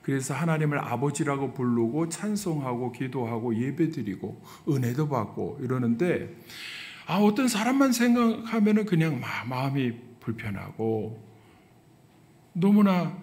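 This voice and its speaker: A middle-aged man, a pastor, preaching a sermon and telling a story, his voice swinging from soft to loud. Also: mid-range voice, lively intonation, normal speed.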